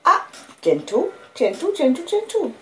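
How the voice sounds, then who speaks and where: A woman in her fifties with an Australian accent chats casually at home among her dogs, reading a classic novel aloud to listeners and breaking off now and then to talk to the pets. Her voice is high and a bit bright, with wildly swooping pitch and an unhurried pace. Soft music plays in the background.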